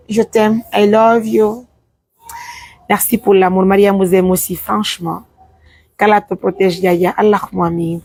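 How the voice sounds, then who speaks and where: A woman's voice: medium pitch, a little mellow, dry recording. A woman, a mother from Guinea, hosting a casual live stream, mixing French with a local language as she reads out and answers viewer comments. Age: adult with children.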